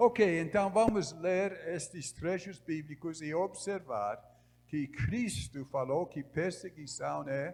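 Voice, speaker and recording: A man speaks with a northeastern Brazilian accent at a very slow pace. His intonation is lively. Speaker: missionary preacher. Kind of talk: sermon. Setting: church.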